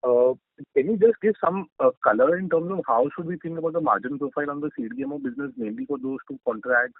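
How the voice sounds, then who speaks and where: A man's voice: a little high, big pitch swings, quick pace, creaky, no room sound. A man, a financial analyst putting questions to management on an earnings call. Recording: dry, narrow phone-line audio.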